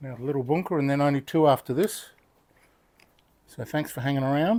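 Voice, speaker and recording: Talking at a fairly quick pace, a man uses a fairly high pitch and a dark, mellow tone in an Australian accent. The recording is very clean, with a silent background. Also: ordinary pitch variation. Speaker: knife sharpening youtuber. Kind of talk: casual tutorial chat. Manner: jocular, animated.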